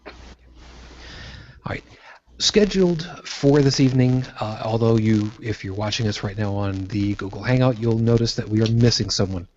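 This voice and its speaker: A man's voice: lowish voice, moderate pace, darkish tone, muffled recording. A man from Brooklyn, hosting a casual podcast in a blunt, profane way. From Brooklyn, New York. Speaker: host.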